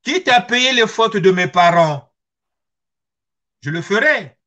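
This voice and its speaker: Joining a video call from a small furnished room at home, a middle-aged Congolese man from Congo-Brazzaville shares earnest testimony on history and identity, full of rhetorical questions and emphasis. His high voice is bright and forceful, with lively intonation and a slow pace.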